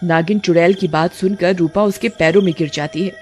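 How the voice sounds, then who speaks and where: A woman narrating a cartoon horror story in a steady, dramatic scripted way. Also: lowish voice, a little fast, faint music behind.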